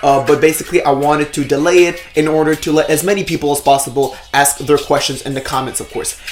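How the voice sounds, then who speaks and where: A man rattles off words at a very fast pace with hardly any pauses, his fairly high voice monotone and flat over noticeable background noise. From Quebec, Canada (Montreal). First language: French. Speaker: gaming YouTuber. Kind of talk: casual Q&A vlog. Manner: filler-heavy, with many uh and basically.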